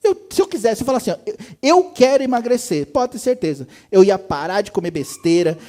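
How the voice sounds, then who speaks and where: A man preaches at a church service in a relaxed, chatty way. His pitch rises and falls widely as he acts out the people he quotes. His voice has a mellow, warm timbre. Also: fast talker. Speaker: pastor. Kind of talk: sermon.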